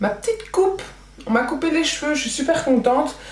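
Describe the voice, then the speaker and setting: A woman talks at a fairly quick pace. There is audible room echo along with noticeable background noise. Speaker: beauty vlogger and hairdresser. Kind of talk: casual vlog. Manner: fast.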